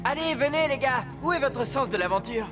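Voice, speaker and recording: Lively, fearless teenage boy hero. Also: extremely high pitch, fairly quick, over music. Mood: eager. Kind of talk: animated cartoon dub acting.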